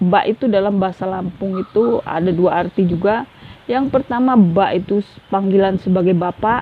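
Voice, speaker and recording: A woman with a medium pitch speaks over noticeable background noise. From Lampung, Indonesia. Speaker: language teacher. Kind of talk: language lesson.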